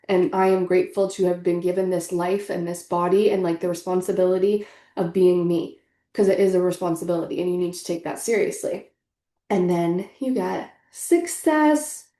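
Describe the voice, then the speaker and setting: Young woman, congested, stuffy nose, mellow tone, roomy echo, casual tarot chat. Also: fairly low pitch. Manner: chatty, filler-heavy, earnest spiritual talk. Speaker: tarot reader. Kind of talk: casual tarot reading vlog.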